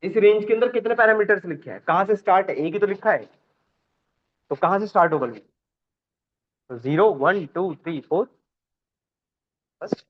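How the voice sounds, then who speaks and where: A man teaching a programming class, questioning students and repeating points slowly. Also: sits high, animated. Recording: dull lo-fi sound.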